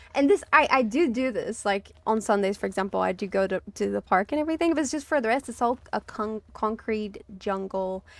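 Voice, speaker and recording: Speaking with a Dutch accent, a woman with a fairly high pitch talks at a fairly quick pace with lively intonation and hardly any pauses, in a dry, close sound with no echo. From Belgium. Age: 20s. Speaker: streamer. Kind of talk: casual chat. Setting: live stream.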